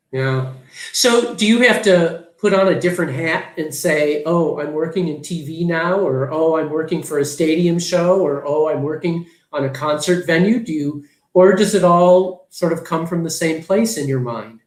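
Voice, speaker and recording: In a room with audible echo, a man with an American accent talks at a moderate pace in a high pitch with ordinary pitch variation. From US Midwest, Detroit area. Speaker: interviewer. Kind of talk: interview. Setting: video call.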